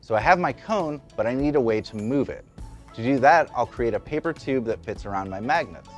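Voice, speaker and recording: Animated man presenting a lesson. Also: medium pitch, a little fast, faint music behind. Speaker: educational presenter and instructor. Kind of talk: scripted explainer lesson. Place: indoor studio at a demonstration table. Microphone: lapel mic.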